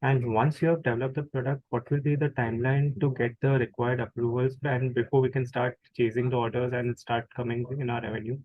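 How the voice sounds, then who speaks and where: A man's voice: mid-range voice, flat delivery, brisk, few pauses, no echo. A man with an Indian accent politely asking questions as an analyst on a conference call. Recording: very muffled narrow phone-like call audio.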